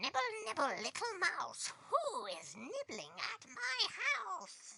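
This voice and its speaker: In a put-on character voice, someone speaks very slowly in a high, squeaky pitch. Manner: sing-song.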